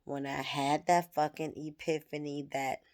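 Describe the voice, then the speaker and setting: A woman's voice: low-pitched, steady tone, measured pace, darkish tone. A woman in her thirties talking candidly and reflectively to the camera, swearing freely as she thinks aloud. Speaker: vlogger. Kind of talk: personal reflective monologue.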